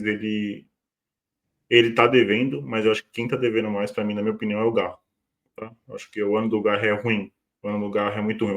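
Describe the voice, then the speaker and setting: A man giving his frank, repetitive opinions in casual pre-match football talk. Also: lowish voice. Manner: opinionated, repeats himself. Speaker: fan channel pundit.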